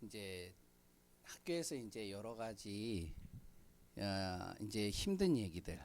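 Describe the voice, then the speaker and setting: A middle-aged man preaching a sermon in a church, speaking conversationally with many fillers and frequent throat clearing. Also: on the low side, big pitch swings, slow, a little mellow. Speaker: pastor. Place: church sanctuary.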